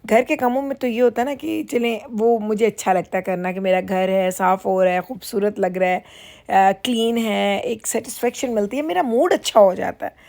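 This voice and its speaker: A woman's voice: medium pitch, moderate pace, gravelly, darkish tone. A middle-aged woman from Pakistan chatting casually in a vlog, rambling and laughing easily as she drives and waits. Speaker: vlogger. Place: car while driving, then dealership lounge.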